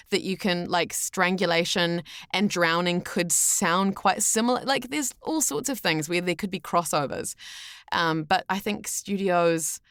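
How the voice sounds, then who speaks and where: A woman's voice: fairly low pitch, a bit bright, no room sound, studio quality. A woman telling personal stories as a podcast guest, enthusiastic and chatty, acting out what people said. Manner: chatty, enthusiastic, acts out reported speech. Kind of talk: animated personal storytelling.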